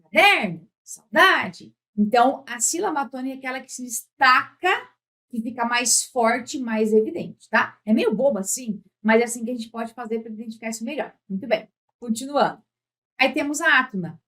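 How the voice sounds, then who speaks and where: Woman teacher going over grammar slowly, fairly high voice, keeps asking if you follow. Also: lively intonation, a bit bright. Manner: patient, drawn-out words when giving examples; often checks in with "tá?". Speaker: Portuguese teacher. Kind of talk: exam-prep grammar lesson.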